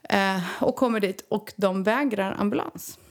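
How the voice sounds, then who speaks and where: Swedish woman, casual talk, animated storyteller who acts out the quotes. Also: medium pitch, gravelly. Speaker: guest telling a personal story. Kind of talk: casual conversation.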